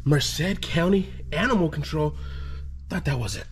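With slight background noise, a man in his thirties narrates at a moderate pace in a fairly high voice. He is casually unboxing items in a storage unit, excitedly exclaiming over every find as he digs through the boxes.

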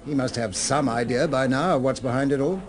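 An actor in a radio drama playing a courteous, solicitous but sceptical gentleman with a polite, inquisitive manner. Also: mid-range voice, fairly quick, natural voice. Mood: puzzled, probing.

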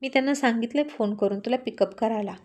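A practical, caring middle-aged mother, as a woman storyteller puts her on, giving brisk instructions. Her voice is high and mellow. It sounds like a spoken storybook. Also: close to an everyday voice. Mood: instructing.

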